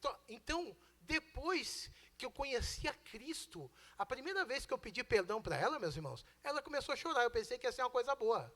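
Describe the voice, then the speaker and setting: Man, Brazilian Portuguese accent, very high voice, sermon, emphatic rhetorical questions. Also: very animated, brisk, few pauses, sharp tone. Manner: conversational, mixes in personal stories. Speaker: preacher.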